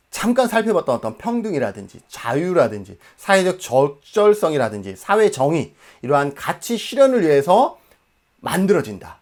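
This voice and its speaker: With a high, slightly mellow voice, a Jeju Island man in his forties gives a forceful exam-preparation lecture. He keeps asking questions and supplying the answers on his own.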